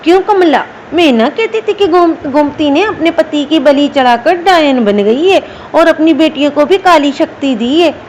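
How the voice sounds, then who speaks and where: A woman's voice: high-pitched, lively intonation, moderate pace, hardly any pauses, a little mellow, slight background noise. A woman voicing a suspicious, gossiping village woman who accuses a widow in a storybook tale. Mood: accusing.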